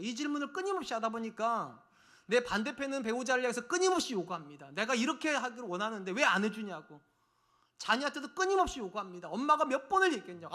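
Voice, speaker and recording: A middle-aged pastor preaching from the pulpit, his voice pitched high and sharp. He swings from pressing, raised appeals down to quiet, low asides aimed straight at the pews. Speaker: senior pastor. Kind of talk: sermon. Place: church sanctuary.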